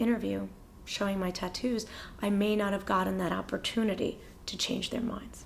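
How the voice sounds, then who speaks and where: In an American accent, a woman speaks at medium pitch and moderate pace, with vocal fry and fairly even intonation. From New York City, Brooklyn. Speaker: lawyer and writer. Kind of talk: informal explainer on law. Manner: many fillers, uh and um.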